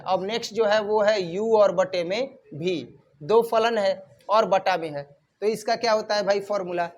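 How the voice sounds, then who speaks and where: A man with a north Indian Hindi-speaking accent teaches a maths class at a whiteboard. His voice sits high for a man. He keeps putting questions to the class and then answers them himself, going over each term again. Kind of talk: whiteboard lecture.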